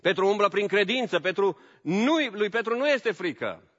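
A man preaching with a high, bright, ringing voice. He rises to loud, emphatic calls and then drops to soft, low asides. The sound is dull and carries a long church-hall reverb. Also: animated. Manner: mixes in English phrases. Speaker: pastor. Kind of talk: sermon.

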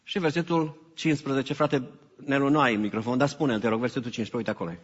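A man preaching a sermon as pastor, animated and emphatic, with some English phrases mixed in. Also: medium pitch, breathy edge. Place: church hall. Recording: hall reverb, dull lo-fi sound.

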